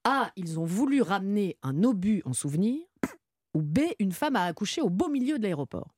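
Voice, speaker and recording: Woman radio quiz host, teasing and giggly, swooping animated pitch, dry close mic. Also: a little fast, slightly rough, dry recording. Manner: playful, laughing, hesitant fillers. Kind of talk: live radio game show hosting.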